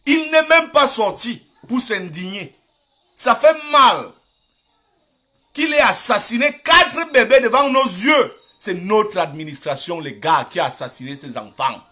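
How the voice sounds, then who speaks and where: A man's voice: sits high, lively intonation, unhurried, sharp tone. A middle-aged man with a Cameroonian French accent giving impassioned political commentary, repeating himself and exhorting his listeners. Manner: emphatic, repetitive, exhorting listeners.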